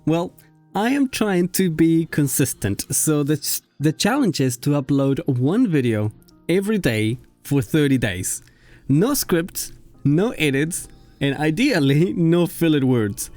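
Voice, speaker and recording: A man whose first language is Spanish, speaking English in an unscripted casual gaming vlog with a self-conscious, halting manner. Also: fairly high pitch, darkish tone, no echo. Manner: self-conscious, halting, often giggling at own slips. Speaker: video creator. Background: background music.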